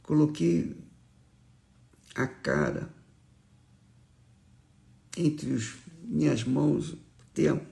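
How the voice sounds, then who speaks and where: A man, a bishop giving a morning devotional sermon as a slow, reflective testimony with softly murmured prayers. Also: on the high side, sing-song, vocal fry.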